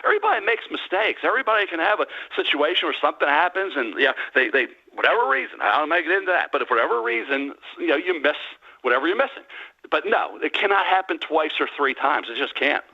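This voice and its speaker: A man in his sixties calling into a sports radio show over a landline phone, giving blunt, emphatic opinions in quick bursts. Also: a little high, sing-song. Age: 60s. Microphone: landline telephone. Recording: dull lo-fi phone line.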